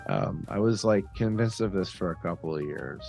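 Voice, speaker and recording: A man's voice: deep voice, expressive, moderate pace, gravelly, dark tone, soft background music. A man co-hosting a podcast in loose, casual chat, swearing freely and joking crudely. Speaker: podcast co-host.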